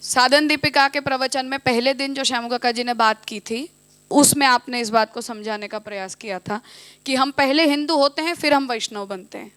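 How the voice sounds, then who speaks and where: A woman teaching in a measured, explanatory devotional discourse, often mixing English terms into her talk. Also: high voice, a bit bright, no echo. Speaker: religious teacher.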